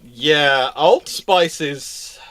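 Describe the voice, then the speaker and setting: Higher-voiced man rambling on a live stream. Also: extremely slow, a bit bright. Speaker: host of a naval history live stream. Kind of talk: casual live chat answering audience questions.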